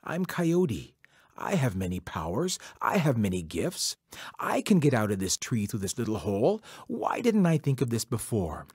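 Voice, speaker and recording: A man's voice: medium pitch, wildly swooping pitch, normal speed, darkish tone, husky, dry recording, studio quality, heavily acted. A man voicing a vain, scheming trickster coyote from a folktale, whining and pleading with a stammer. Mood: boastful.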